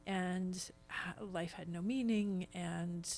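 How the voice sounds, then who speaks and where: A woman's voice: lowish voice, fairly even intonation, takes it slowly, a little mellow. An American woman in her fifties talking casually as a podcast guest, explaining things with examples. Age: 50s.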